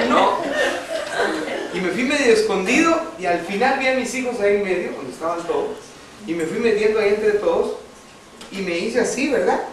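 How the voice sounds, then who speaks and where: A middle-aged man preaching and telling a personal testimony to a congregation, chatty and full of questions to the crowd. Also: sits high. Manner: conversational, asks the congregation questions, tells a story with laughs. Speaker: lay preacher. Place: church hall. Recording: echoey hall, distant mic, background noise.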